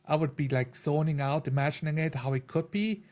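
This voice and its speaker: A man's voice: fairly high pitch, brisk, a little mellow. A man talking casually as a tabletop roleplay player, recounting play and acting out little reactions as he goes. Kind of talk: casual game recap chat.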